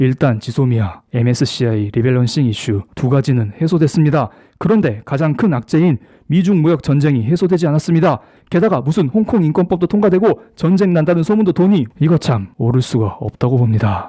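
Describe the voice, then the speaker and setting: Fairly high yet dark and mellow in tone, a man's somewhat breathy voice moves at a fairly quick pace with very wide pitch swings and very even loudness. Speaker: finance YouTuber. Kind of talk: market commentary. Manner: fast.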